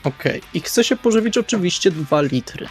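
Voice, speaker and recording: A man playing a tabletop RPG, narrating his character's actions in the first person in short, deliberate phrases. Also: sits high, expressive. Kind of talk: first-person roleplay narration over game session. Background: soft guitar music.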